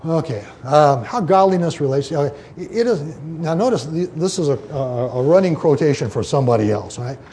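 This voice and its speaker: A preacher man with a mellow, darker voice teaches scripture in a relaxed, chatty way. He restarts his sentences often and pauses to read out quotations. A faint low rumble sits under the recording. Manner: conversational, many fillers and restarts, reads quotations aloud. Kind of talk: informal Bible teaching.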